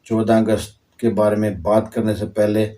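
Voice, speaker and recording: Earnest man, dark voice, set back. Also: lowish voice, level tone, normal speed, distant mic. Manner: earnest, sprinkles in proverbs and verse. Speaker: online commentator. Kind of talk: impassioned historical storytelling.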